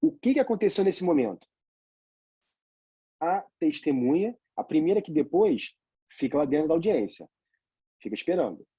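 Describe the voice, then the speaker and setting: A man's voice: on the high side, very animated, moderate pace, pauses often, dark tone, slightly rough, dry recording, muffled recording. A man with a Brazilian Portuguese accent, a lawyer and law lecturer, telling a courtroom anecdote with rhetorical questions. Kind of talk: storytelling lecture.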